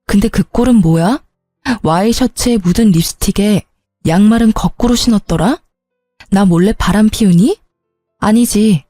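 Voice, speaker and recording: Warm-voiced woman telling a story. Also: medium pitch, normal speed, no room sound, soft background music. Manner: indignant, scolding. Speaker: story narrator. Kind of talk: first-person story narration.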